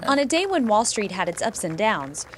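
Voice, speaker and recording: A woman's voice: mid-range voice, big pitch swings, moderate pace. A woman reading scripted news narration as a reporter. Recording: clearly noisy track with ambient sound.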